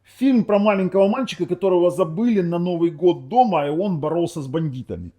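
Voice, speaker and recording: A man's voice: high voice, fairly quick, warm tone. A man whose first language is Ukrainian, casually demoing a TV box in a rambling way, correcting himself often and dropping sarcastic asides. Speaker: tech reviewer. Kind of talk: casual product demo talk.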